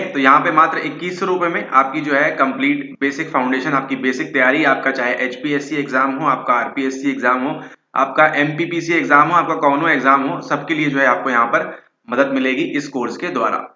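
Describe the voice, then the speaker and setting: Man, psychology teacher, course pitch, tense bright voice, roomy dull recording. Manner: keeps adding "ठीक है" and "है ना"; mixes English words into Hindi. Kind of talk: course promotion talk.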